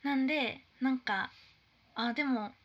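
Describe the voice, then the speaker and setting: A woman's voice: high voice, measured pace, lo-fi sound. A woman with a Kansai Japanese accent chatting casually, in polite speech to a friend. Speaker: singer-songwriter, talk show co-presenter. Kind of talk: casual chat.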